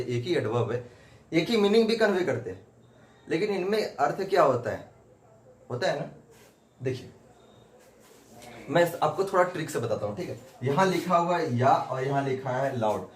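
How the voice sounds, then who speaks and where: Guy teaching grammar at a whiteboard, keeps quizzing then answering himself, bit of hiss in the room. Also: on the high side. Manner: repetitive, asks and answers his own questions. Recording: echoey room with faint background noise.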